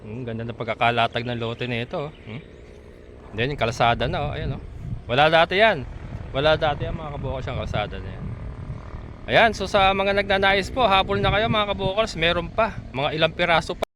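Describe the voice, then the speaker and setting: A fairly high-voiced man talks his viewers through a walking tour of new lots outdoors, chatty and laughing easily. It sounds like a phone recording, with traffic noise clearly heard behind him. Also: fairly quick, fairly bright tone, rough recording. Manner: chatty, points things out to viewers, laughs often. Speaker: vlogger giving a land development tour. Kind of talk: casual walking tour vlog. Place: outdoors at a rural lot by a road.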